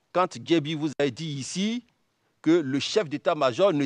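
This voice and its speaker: A man's fairly high voice at a very slow pace, with lively intonation, a dry sound with no echo, and a quiet background. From Ivory Coast. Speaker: army general testifying as witness; witness. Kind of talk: court testimony. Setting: courtroom. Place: hall. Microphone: podium.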